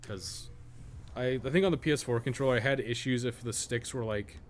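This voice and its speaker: A man's voice: mid-range voice, fairly quick. A man chatting casually while streaming a game, rambling along and swearing freely, with some noise behind him. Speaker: game live streamer, podcast co-host. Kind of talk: casual livestream chat while gaming.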